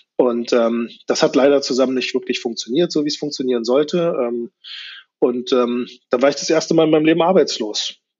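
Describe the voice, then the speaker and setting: Talking at a fairly quick pace, a man with a fairly high pitch uses ordinary pitch variation. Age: 40s. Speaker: sneaker expert and shoe brand founder. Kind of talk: interview. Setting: video call. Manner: hesitant, many fillers.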